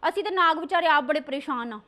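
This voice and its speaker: A woman's voice: sits high, fast, sharp tone. A young woman with a Punjabi accent playing a melodramatic, cheeky female cobra on a comedy show, talking like a dramatic, emphatic aunty. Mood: dramatic, plaintive. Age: young adult. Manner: dramatic, emphatic aunty-like complaining with repeated words. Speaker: TV show host. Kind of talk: comic in-character call-in show. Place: TV studio, indoors.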